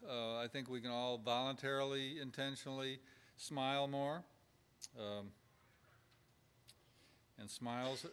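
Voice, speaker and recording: A man giving a relaxed teaching talk on caregiving, halting with fillers and restarts as he works through numbered points. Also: mid-range voice, clear, resonant tone. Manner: unhurried, halting with many fillers, acts out sample dialogue. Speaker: church caregiving trainer.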